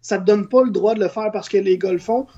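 A woman's voice: medium pitch, fast, warm tone, slightly rough. Muffled Quebec French woman arguing opinions. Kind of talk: casual opinionated discussion. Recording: dull, muffled lo-fi sound.

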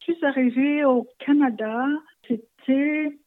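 A woman in her fifties from Rwanda, answering interview questions softly and hesitantly, with many pauses. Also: high voice. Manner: soft-spoken, hesitant with frequent pauses. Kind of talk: personal interview. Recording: narrow phone-like audio.

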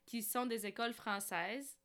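A woman's voice: fairly high pitch, a little slow, a bit bright. A woman from Algeria chatting casually as a podcast guest, telling personal stories. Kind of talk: casual conversational storytelling.

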